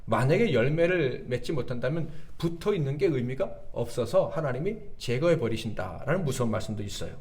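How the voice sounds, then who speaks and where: A man preaching a sermon as pastor, asking his congregation lively rhetorical questions and calling for amens. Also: medium pitch, brisk, hardly any pauses. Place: church sanctuary.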